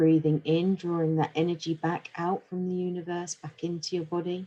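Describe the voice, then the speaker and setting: A woman's gentle tone, fairly low in pitch. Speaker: chakra journaling teacher and author. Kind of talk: guided meditation; workshop instruction. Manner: lowered, soft tone in meditation; slow, gentle.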